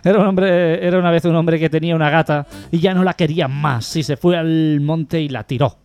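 A man's voice: on the high side, a little mellow, dry recording. A man co-hosting a radio comedy show, telling jokes in a dry, matter-of-fact way. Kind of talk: reading jokes on local radio.

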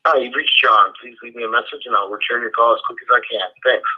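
A man's voicemail greeting played back through an answering machine on a narrow, tinny phone line. He talks at a middling pitch and rattles it off quickly and matter-of-factly, like a message recorded once and left to play. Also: steady tone, slightly rough. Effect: answering machine greeting heard over a phone call.

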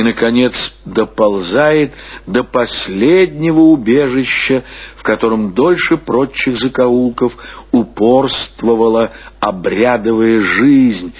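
A man reading literary prose as a dramatic narrator, with deliberate, expressive phrasing. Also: medium pitch, slightly rough. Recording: dull old radio recording.

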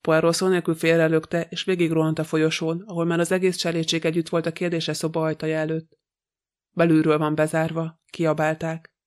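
A man reading a novel aloud as a narrator, in a very flat, even delivery. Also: a little high. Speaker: audiobook narrator. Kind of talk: scripted narration.

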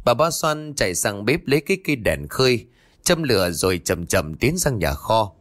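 A man's voice: lowish voice, sing-song, moderate pace, fairly bright tone. A man narrating a ghost story in a dramatic storytelling manner.

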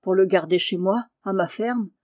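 Kersac, a woman doing a gruff farmer. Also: normal speed, no room sound, studio quality, lightly acted. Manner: low, hushed and blunt. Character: gruff kindly middle-aged male farmer. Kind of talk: audiobook character reading.

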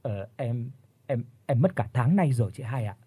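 A man's voice: medium pitch, animated, moderate pace, dark tone, slightly rough, no echo. A man voicing a shy young village wife who hesitates and stammers. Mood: flustered.

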